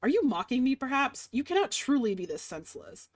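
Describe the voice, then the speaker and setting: A woman's voice: high voice, sing-song, brisk, dry recording, voice pushed up. A woman reading the lines of a cold, disdainful deity in a formal, haughty, dismissive way. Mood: scornful.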